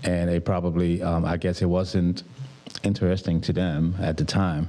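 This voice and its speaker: A man's very deep, low voice in a flat monotone, with a Liberian accent and noticeable background noise. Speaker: entrepreneur and photographer. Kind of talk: interview. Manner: halting, many fillers.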